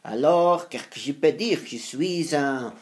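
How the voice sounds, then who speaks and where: A woman with a slightly low voice speaks very slowly in a language that is not her native one. She practices in an unscripted monologue, halting often and repeating phrases as she hunts for the next word, with a beginner's errors. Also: animated, darkish tone. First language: not French. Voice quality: non-native, beginner French with frequent errors. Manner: halting, repeating phrases while searching for words. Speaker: language learner making practice videos for own channel.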